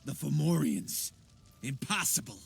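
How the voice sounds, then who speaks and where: An agitated male captive warrior in a fantasy game, incredulous and exclamatory. His voice is high and husky, and it swings widely in pitch. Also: sing-song, a little slow, exaggerated voice. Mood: alarmed disbelief. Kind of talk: fantasy video game acting.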